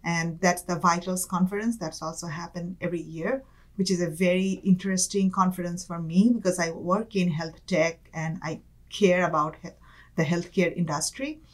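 Speaking at a normal speed in a fairly low, steady voice, a woman in her thirties from Bangladesh talks as an interview guest. She's a business school student with a Bangladeshi accent, chatty and quick to laugh, often dropping "like" and "kind of" into the conversation.

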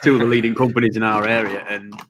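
A man's voice: on the low side, level tone, fast, over a noisy crowd. A man with a broad Yorkshire accent chatting casually and bantering as a podcast guest. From Yorkshire, England. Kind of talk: casual chat.

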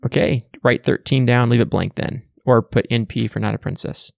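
A man's voice: medium pitch, fairly even intonation, normal speed, vocal fry, no room sound, studio quality. A man casually hosting a family guessing quiz, giving instructions and calling on players. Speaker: quiz host.

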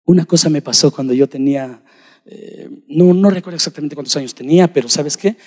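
Husky preacher in a reverberant church. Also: male voice, on the high side, a little fast. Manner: swings between shouting and hushed speech; addresses the congregation directly. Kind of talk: sermon. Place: church sanctuary. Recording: long hall reverb.

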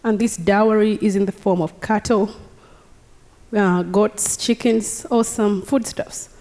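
Young ugandan woman telling her story to a church crowd, earnest, mid pitch, big hall echo. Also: steady tone, slow pace, warm tone. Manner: earnest, engaging the audience directly. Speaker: guest speaker. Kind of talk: personal testimony to a congregation. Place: church sanctuary.

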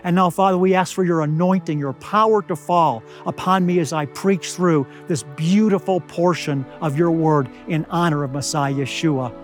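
An older man preaching a sermon outdoors at high altitude, slightly hoarse, earnest and deliberate, slowing down to stress key words. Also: faint music behind. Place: outdoors among pine trees at high altitude.

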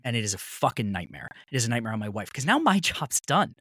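A man in his thirties from Maine, recorded dry and close as a podcast guest. His pitch swings widely as he tells a story, and he gets heated, swearing freely and acting out what others said. His voice sits in a middle register for a man. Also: big pitch swings, quick pace, a bit bright, dry recording. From Maine, USA. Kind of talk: casual storytelling conversation.

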